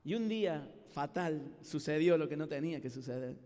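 Animated high-voiced preacher in a hall. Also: male voice, moderate pace. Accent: Rioplatense Spanish. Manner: animated storytelling with acted-out voices. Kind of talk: lively youth sermon. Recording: live sermon with long hall reverb.

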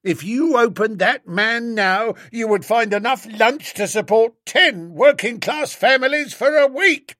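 A man's voice: very high voice, lively intonation, a little slow, hardly any pauses, pushed and bright, no echo, clean studio sound, voice pushed up, heavily acted. A man voicing a bearded street-corner agitator who bellows scornful, declamatory speeches at a crowd. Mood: ranting.

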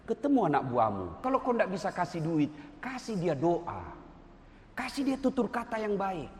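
Middle-aged male preacher, fairly high voice, joking sermon delivery, echoey hall. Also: moderate pace. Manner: animated, swings from loud exclaiming to low storytelling asides. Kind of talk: lively humorous sermon. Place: large hall before an audience. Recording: echoey hall, faint background noise.

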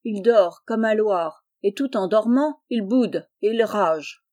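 A woman reading aloud and voicing a brusque, hearty middle-aged farmer, gruff and booming at times. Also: takes it slowly, darkish tone, close to an everyday voice. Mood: jovial.

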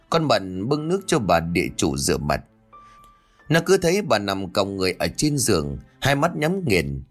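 A male storyteller reads a dramatic tale in a husky, breathy voice. His pitch rises and falls expressively through the scenes. Faint background music plays beneath him. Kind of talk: scripted dramatic story narration.

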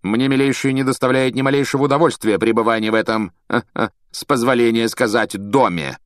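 A man's voice: medium pitch, animated, moderate pace, fairly bright tone, dry recording, studio quality, voice pushed up, lightly acted. A man voicing a haughty, contemptuous aristocratic man with a sneering, theatrical drawl.

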